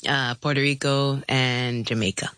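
A woman's voice: very deep voice, steady tone, measured pace, fairly bright tone, clean tone, no echo. A woman from the Philippines, a guest on a radio interview, telling her story in a chatty way. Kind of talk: interview conversation.

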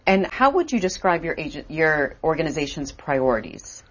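A woman with a low voice hosts a TV interview, posing questions and pressing follow-ups. The audio is somewhat dull, like broadcast sound. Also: big pitch swings, moderate pace, husky. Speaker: TV interview host.

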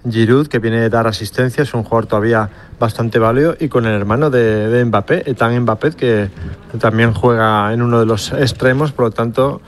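A man's voice: medium pitch, fairly even intonation, moderate pace, a little hiss or hum. A man analyzing a football team on the radio, with a few hesitations. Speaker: football commentator.

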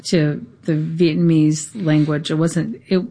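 A woman's voice: deep voice, little pitch movement, unhurried, dark tone. A woman interviewing a guest in a casual conversation, encouraging him with frequent short affirmations.

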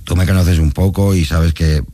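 Middle-aged male guest from Catalonia, booming bass, plain-spoken swearer, dead-dry studio sound. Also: fairly even intonation, normal speed, mellow, no room sound. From Catalonia, Spain. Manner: blunt, swears freely, tells anecdotes with laughs. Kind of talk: casual chat.

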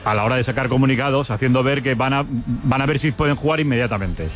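Quick male sports radio host. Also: medium pitch, soft background music. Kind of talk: live sports show presenting.

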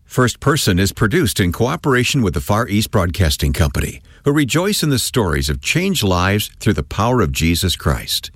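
A man's voice: fairly low pitch, big pitch swings, normal speed, few pauses, breathy edge, no room sound, clean studio sound. A man who hosts a radio interview show, introducing his guest and chatting with her and laughing along. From Michigan.

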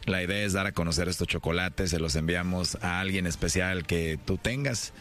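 Very deep-voiced flirty prank caller. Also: male voice, moderate pace, a bit bright, a little hiss or hum. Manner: smooth, flirtatious salesman patter. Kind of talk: flirty prank phone call.

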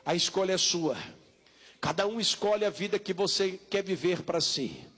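A Brazilian man preaches in a high voice, as a pastor at an altar call. He exhorts insistently, repeating short appeals and stretching out key words in the Portuguese of Brazil. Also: animated, a bit bright, husky. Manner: insistent, repetitive exhortation with drawn-out calls. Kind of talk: evangelical sermon, altar call and prayer.

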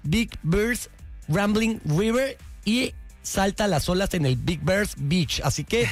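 A man's voice: high voice, lively intonation, takes it slowly, soft background music. A man co-hosting a morning radio show, reading promotions in a playful, teasing way. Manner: playful, teasing, reads promos with mock-clumsy English. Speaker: radio co-host.

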